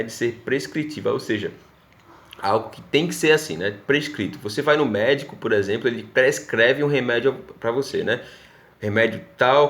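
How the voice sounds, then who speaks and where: This Northeast Brazilian man's mid-range, fairly bright voice leads a recorded class in Pernambuco-accented Brazilian Portuguese. His explanations proceed step by step, with frequent check-ins with students.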